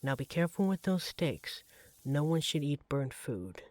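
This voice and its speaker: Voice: mid-range voice, very animated, normal speed, a little mellow, dry recording, natural voice. A performer playing an affectionate, teasing vampire barista in a conversational audio roleplay about domestic life. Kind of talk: ASMR audio roleplay, one-sided domestic dialogue. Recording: clear background noise, sizzling frying pan.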